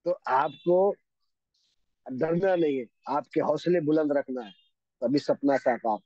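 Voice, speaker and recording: A man's voice: mid-range voice, dry recording. A man giving a motivational seminar speech at a direct-selling event. He repeats key phrases over and over and drops in couplets and sayings. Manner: says he talks fast. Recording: slightly muffled, dry lo-fi sound.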